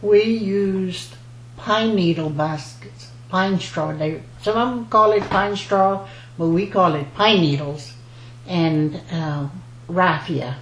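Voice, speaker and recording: Slow-speaking older woman. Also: fairly low pitch. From rural Louisiana, United States. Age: 70s or older. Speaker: basket maker interviewee. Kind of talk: oral history interview, personal recollection. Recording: roomy echo, faint background noise.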